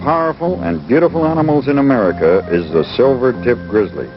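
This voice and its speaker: A man's voice: mid-range voice, lively intonation, brisk, lo-fi sound. A man delivering scripted first-person narration as the narrator of a wildlife documentary. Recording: band-limited old 16mm educational film soundtrack. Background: loud background music.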